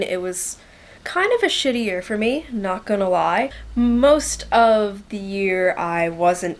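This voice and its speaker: A young woman vlogging casually to the camera. She sounds congested from a head cold and talks in a chatty, rambling way with lots of likes and ums. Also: mid-range voice. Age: young adult. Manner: shy and quiet by nature. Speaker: beauty vlogger.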